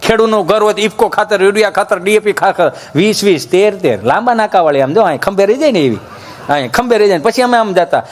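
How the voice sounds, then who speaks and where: A man's voice: high voice, fast. A man telling comic stories on stage, jumping into the voices of the people in them. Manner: lively storyteller, swings between voices of characters. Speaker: folk comedian on stage. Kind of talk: stage comedy storytelling.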